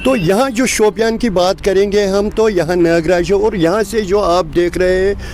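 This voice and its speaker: A man with a distinctly high voice and a Kashmiri accent speaks outdoors, with vehicle noise behind him. He explains local tradition informally and earnestly, circling back over his points as he goes. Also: moderate pace, a little mellow. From Kashmir, India. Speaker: local interviewee. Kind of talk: informal storytelling in an interview. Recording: clear background noise outdoors, passing vehicles.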